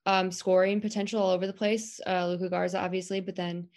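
Co-hosting a casual college basketball podcast, this woman in her twenties is relaxed, laughs frequently and fills her speech with "um"s. Her voice is on the low side and a little mellow, delivered flat and fast.

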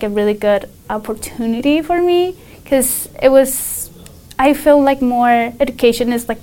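Teen girl from Mexico, clear voice. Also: a little high. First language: Spanish. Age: teens. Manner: hesitant, many "like" fillers. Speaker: student debater. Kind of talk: casual interview answers.

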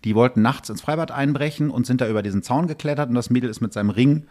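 A man's voice: medium pitch, quick pace, a little mellow. Chatty man telling anecdotes. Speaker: podcast guest. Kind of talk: casual chat.

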